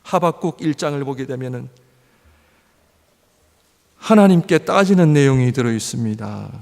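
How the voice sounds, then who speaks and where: Pastor, male, lively pitch, gravelly mellow tone, sermon in a reverberant church hall. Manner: swings from loud impassioned pleading to low measured scripture reading. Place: church sanctuary.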